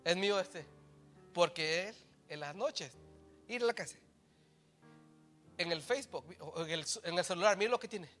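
A man with a Latino Spanish accent preaching a bilingual sermon as a pastor, mixing English into his Spanish and swinging between loud, forceful passages and quiet, low emphasis. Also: lively intonation, normal speed, pauses often, soft background music. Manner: switches between Spanish and English mid-sentence.

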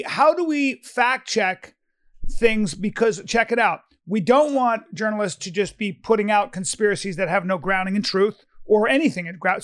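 A man in his fifties co-hosts a casual podcast debate, arguing animatedly, swearing freely and repeatedly cutting in with "but wait." His voice is high-pitched with a fairly bright tone.

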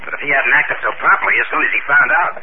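Actor as an earnest, reflective hero, old-time radio, tinny and hissy. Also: male voice, medium pitch, quick pace, natural voice. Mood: explaining. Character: shrunken former giant, earnest idealistic man. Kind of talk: 1950s radio drama acting.

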